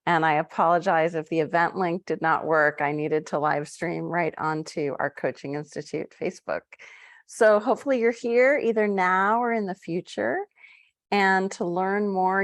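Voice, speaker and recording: A woman with a lowish voice leads a guided meditation at an unhurried, very slow pace. Her tone is soft and gentle, with long drawn-out phrases. The sound is dry and close, with no room echo. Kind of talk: live-streamed guided meditation.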